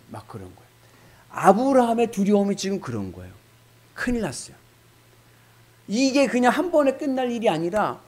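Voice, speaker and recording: A middle-aged male pastor preaching a sermon, acting out quoted dialogue in shifting voices. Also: sits high.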